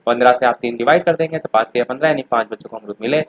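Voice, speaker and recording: A man's voice: medium pitch, very fast, poor audio. A young man teaching a revision lesson for a teaching exam, explaining each answer plainly, talking straight to the students and repeating the key points.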